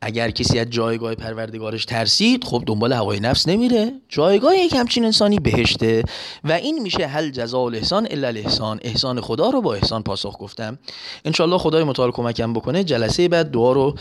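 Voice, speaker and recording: A man preaching a sermon, telling an anecdote and acting out its voices. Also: medium pitch. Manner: animated, acts out voices in anecdotes. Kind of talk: sermon with storytelling.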